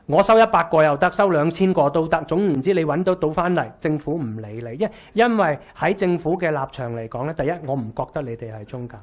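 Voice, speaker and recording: A man in his thirties with a Hong Kong Cantonese accent lectures a small room in a chatty, wry way. His voice sits a little high for a man, and he keeps asking the room rhetorical questions. It sounds like a far camera in a small lecture room. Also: animated, fast talker, few pauses. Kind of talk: casual lecture.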